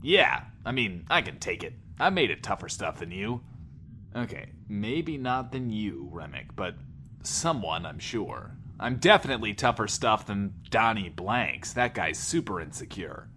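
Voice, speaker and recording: A man's voice: fairly low pitch, sing-song, a little slow, sharp tone, slight background noise, heavily acted. An actor playing a vain, defensive male post-apocalyptic radio DJ with glib showman patter, in an audio drama. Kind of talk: in-world radio show hosting, audio drama.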